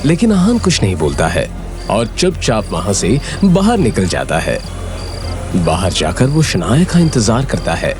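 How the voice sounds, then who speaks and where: Brief: male audio-drama narrator, lively intonation, music underneath. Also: fairly low pitch, a little slow. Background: background music.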